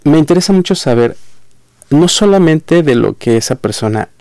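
A man's voice: on the high side, expressive, moderate pace, mellow, dry recording, studio quality. A man hosting a community program, speaking effusively and often repeating words as he searches for the next one. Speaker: host.

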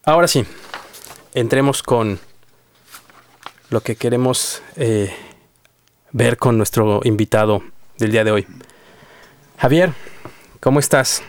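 A man's voice: medium pitch, slow, long pauses, no room sound. A man hosting a casual radio interview in a studio, chatty and hesitant, with frequent fillers. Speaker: radio show host. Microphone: studio microphone.

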